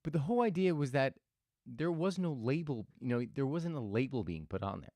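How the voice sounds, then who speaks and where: This host is a man who speaks in an animated, brisk way with a warm tone, his pitch swinging widely. Reflective and motivational, he tells stories and keeps restarting sentences. The sound is dry and close, without any echo or room.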